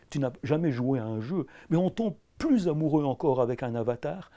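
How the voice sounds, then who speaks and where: Hesitant and full of fillers and restarts, a middle-aged anthropology professor with a Belgian French accent answers in a filmed interview. His voice is mid-range and mellow, picked up by camera crew sound.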